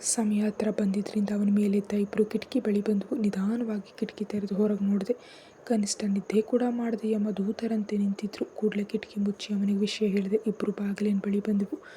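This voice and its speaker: A woman reading a first-person romance story in a soft, half-whispered, intimate way. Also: mid-range voice, little pitch movement, normal speed, slight background noise.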